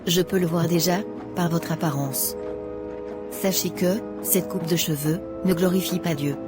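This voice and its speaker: A woman's voice: on the low side, steady tone, measured pace, natural voice. A woman voicing a self-righteous, impatient young Christian woman in a cartoon, lecturing in a preachy way over music. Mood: preachy, stern. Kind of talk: scripted cartoon dialogue. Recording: music behind the voice.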